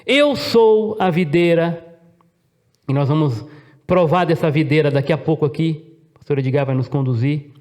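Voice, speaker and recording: A man's voice: a little high, fairly even intonation, a little fast, mellow. A middle-aged man with a Brazilian Portuguese accent, preaching a sermon, asking the congregation questions and acting out quotes. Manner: rhetorical questions to the congregation, dramatic voiced quotes. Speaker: pastor.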